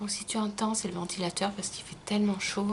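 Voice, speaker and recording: The woman speaks in a monotone, with flat intonation throughout. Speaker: beauty vlogger. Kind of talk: makeup tutorial. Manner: hesitant, many fillers; casual.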